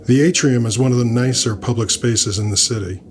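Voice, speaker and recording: A man's voice: mid-range voice, brisk, slight background noise. A man narrating scripted urban fantasy fiction in the first person, with a dry, wry delivery.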